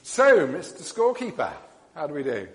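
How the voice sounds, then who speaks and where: A man leading a church service, delivering a measured reflection and blessing with frequent ums, his voice carrying in a long churchlike reverb. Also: a little high, huge pitch swings.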